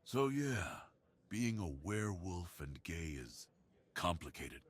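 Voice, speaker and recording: A man voicing a brooding, lonely gay werewolf who longs for love, speaking intimately and confidingly in an ASMR roleplay, with a low, husky, breathy voice. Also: sing-song, slow pace, full character voice. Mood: brooding, wistful.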